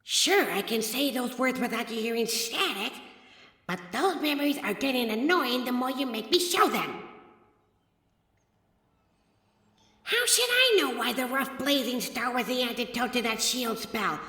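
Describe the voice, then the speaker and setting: Echoing, high-voiced teasing demon woman played by an actress. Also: animated, normal speed, bright, forceful tone. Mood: exasperated. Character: female demon sharing a fairy's mind, teasing, impatient. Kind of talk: ASMR audio roleplay acting. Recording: echoey, long reverb on voice.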